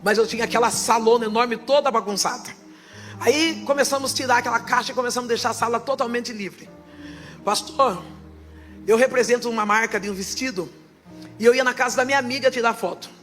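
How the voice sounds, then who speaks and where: A woman pastor giving her testimony in church, her fervent preaching swelling into loud proclaiming. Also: on the high side, a little fast, faint music behind.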